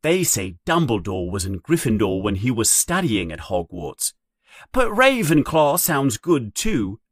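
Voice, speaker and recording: A man voicing a bossy know-it-all schoolgirl who talks very fast. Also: mid-range voice, huge pitch swings, husky, dry recording, studio quality, heavily acted. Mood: bossy, eager.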